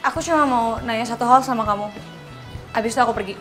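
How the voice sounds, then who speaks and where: A woman playing a sharp-tongued young woman who speaks curtly and confrontationally, with a loud music score behind her. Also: a little high, fast, lightly acted. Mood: questioning. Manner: curt and confrontational.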